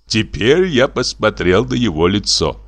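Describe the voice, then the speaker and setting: A man reading a classic short story aloud as narrator, with expressive delivery. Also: unhurried. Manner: expressive, varying pitch widely. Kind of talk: literary reading.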